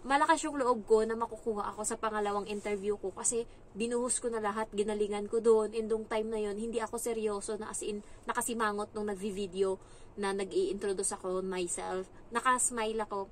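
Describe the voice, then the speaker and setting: Lively young Filipina vlogger. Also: female voice, medium pitch, brisk, a little hiss or hum, low-quality recording. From Philippines. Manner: lively storytelling, acts out other people's lines. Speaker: vlogger, domestic helper. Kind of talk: casual advice chat. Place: employer's home abroad.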